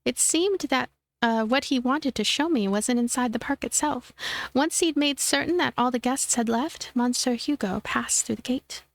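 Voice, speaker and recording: High-pitched woman narrating a story. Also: moderate pace, gravelly, dry recording. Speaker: let's play narrator. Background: game music.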